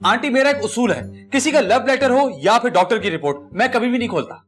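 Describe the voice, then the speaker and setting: A man's voice: very high voice, faint music behind. Cheeky scatterbrained young man. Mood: joking. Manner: animated, quick, joking. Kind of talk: sitcom acting.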